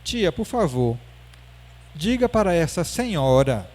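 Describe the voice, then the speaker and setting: A grave little girl of six lays out her argument with calm, stubborn earnestness, as a man retells her words in a lecture. The voice sits a little high and is spoken without much change. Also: slow pace, full character voice. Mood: earnest. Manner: earnest, matter-of-fact arguing. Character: serious stubborn six-year-old girl.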